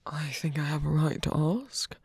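A man playing a tender, teasing villain in an intimate ASMR roleplay, breathy and hesitant, often dropping to a whisper. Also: on the high side, no echo. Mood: earnest, vulnerable. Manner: hesitant, halting, soft-spoken. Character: male villain, tender, teasing, smitten with rescuer. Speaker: voice actor.

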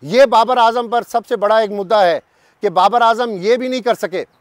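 Fifties male cricket journalist, Pakistani Urdu accent, high-pitched, emphatic and repetitive, speaking to camera. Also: normal speed, no echo. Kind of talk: direct-to-camera commentary. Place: sunny garden outdoors.

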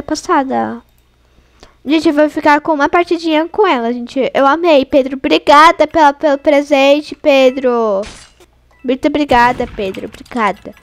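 A young woman with a Brazilian Portuguese accent talks her viewers through an online game. Her voice sits high and bright, and she is excitable and chatty, often squealing and laughing. It sounds like a desk mic at her computer. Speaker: gaming YouTuber. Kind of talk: excited gameplay commentary.

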